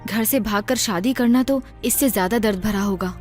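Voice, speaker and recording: A woman's voice: mid-range voice, moderate pace, soft background music, natural voice. A woman in a dubbed film playing a sensible young woman who questions and disapproves frankly. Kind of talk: Hindi film dub.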